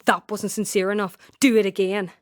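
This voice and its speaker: A woman's voice: medium pitch, little pitch movement, a little fast, no echo, studio quality, lightly acted. Raw, streetwise young female survivor played by a woman. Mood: raw, urgent. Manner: raw, colloquial, mimics her attacker. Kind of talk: dramatic monologue.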